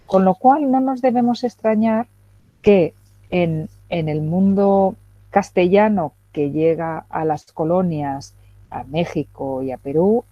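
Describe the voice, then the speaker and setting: A woman's voice: sits low, no room sound. Woman lecturing hesitantly over lo-fi call. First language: Spanish. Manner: hesitant, many fillers and checking questions. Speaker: guest lecturer. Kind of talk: academic lecture with questions. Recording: dull lo-fi video call audio.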